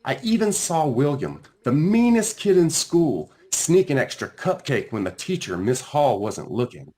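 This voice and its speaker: A man reading his own children's book aloud in an expressive storytelling style, with dramatic pauses and drawn-out phrases. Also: on the high side. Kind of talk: animated children's read-aloud narration.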